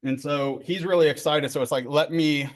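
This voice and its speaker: A middle-aged man with a relaxed drawl leads a therapy training session. He talks in an easygoing, joking way, checking in with his listeners and filling pauses as he explains ideas. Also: a little high. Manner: conversational, joking, many fillers and tag questions. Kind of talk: casual workshop lecture.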